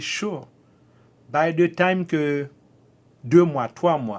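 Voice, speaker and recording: A man with a non-native accent and a fairly high pitch, on a very clean recording with a silent background. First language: Haitian Creole. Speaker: retired teacher and live streamer. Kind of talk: live stream monologue. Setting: live stream at home camera. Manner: code-switching English and Creole.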